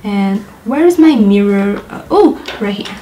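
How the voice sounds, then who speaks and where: A woman's voice: medium pitch, expressive, unhurried, mellow, reverberant. A young woman from Brazil with a Brazilian Portuguese accent, chatting through a makeup tutorial in her apartment and describing each step while laughing often. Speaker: beauty vlogger. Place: apartment in a big city.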